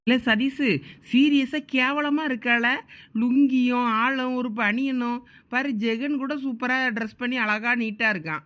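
A woman's voice: on the high side, steady tone, measured pace, fairly bright tone, highs cut off, slight background noise. A woman in a comic skit, scolding and criticizing someone's clothes.

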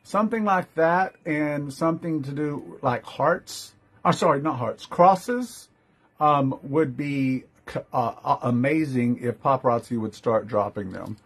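A man's voice: mid-range voice, measured pace, slightly rough. A man hosting a casual live-stream jewelry sale, chatty and upbeat, greeting viewers by name as he shows each piece.

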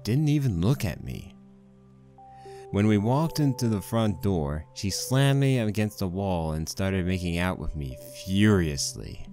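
A man's voice: sits low, lively intonation, a little slow, dark tone, soft background music. A man playing a young married stallion pony husband, rambling wryly and sheepishly through a fan fiction monologue. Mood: wry storytelling. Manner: conversational, rambling, wry.

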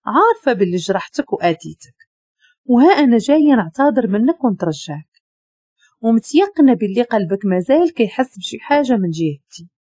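A woman's voice: fairly high pitch, very animated, a little fast, a little mellow, husky, no room sound. A woman with a Moroccan accent voicing a jealous young ex-lover who pleads and turns bitter, her voice shaky, recorded dull and lo-fi. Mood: pleading.

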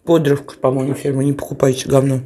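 A woman's voice: extremely low pitch, flat delivery, fast, mellow, slightly rough. A woman vlogger chatting casually to camera with her mouth full, blunt and offhand, chewing between phrases. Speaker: mukbang vlogger. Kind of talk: casual chat to camera while eating.

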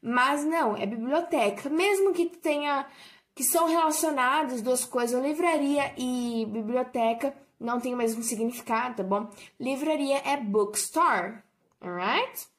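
A young Brazilian woman teaching English vocabulary, saying each word slowly and clearly and checking in with "alright?". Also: sits high. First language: Portuguese. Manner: slow, drawn-out model pronunciation, tag "alright?" after each example. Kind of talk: bilingual vocabulary lesson.

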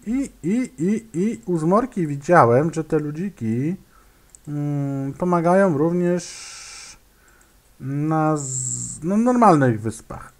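Guy talking slow over his game, kinda high voice, mutters and goes pyk pyk while clicking. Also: lively intonation. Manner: mutters to himself, makes clicking sounds while playing; hesitant, many fillers and restarts. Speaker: gameplay commentator. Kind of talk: casual gameplay commentary.

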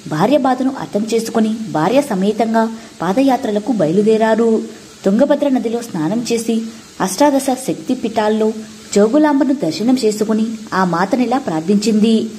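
A woman narrating a moral story for an audiobook in a steady, measured way. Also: fairly high pitch, a little hiss or hum.

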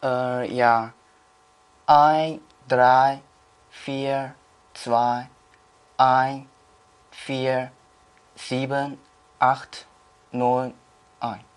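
A young man from China, answering exam questions in a careful, halting way. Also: medium pitch, flat delivery, smooth. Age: young adult. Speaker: exam candidate. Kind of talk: spoken language exam answers. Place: indoor room. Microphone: lapel mic.

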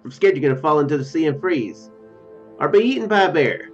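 A man's voice: on the high side, lively intonation, brisk. A young man doing let's play commentary and reading game text aloud, hesitant and rambling, with trailing asides. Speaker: video game streamer. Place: indoor room at home. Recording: dull, lo-fi microphone sound. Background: game music.

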